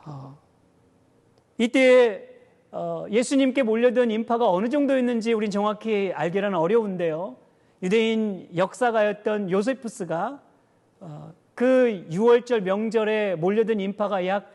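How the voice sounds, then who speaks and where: Man, pastor, earnest sermon, high-pitched voice, long hall reverb. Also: a little mellow. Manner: earnest preaching, slows to stress scripture, frequent "uh" fillers. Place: church sanctuary.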